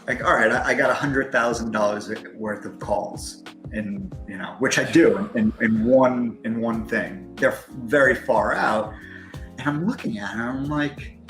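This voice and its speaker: A man in his early forties, a guest in a casual interview, talking fast and filling his speech with "like" and "you know". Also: mid-range voice, animated, fairly bright tone, roomy sound, faint music behind, low-quality recording. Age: 40s.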